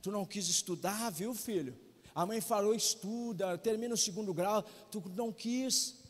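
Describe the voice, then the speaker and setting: A soft-hearted mother, as a Brazilian preacher quotes her. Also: high-pitched, moderate pace. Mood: gentle scolding. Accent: Brazilian Portuguese. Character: soft-hearted mother gently scolding her grown son. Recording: reverberant church hall with faint music.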